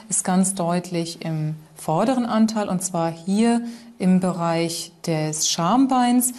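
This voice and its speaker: A woman's voice: medium pitch, mellow. A woman speaking as a scientific expert, explaining things in an interview. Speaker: forensic anthropologist, expert interviewee. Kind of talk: explaining to a lay audience.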